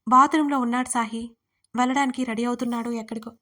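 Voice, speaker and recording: A woman's voice: fairly high pitch, fairly even intonation, fast talker, pushed and bright. Woman putting on an eager young man.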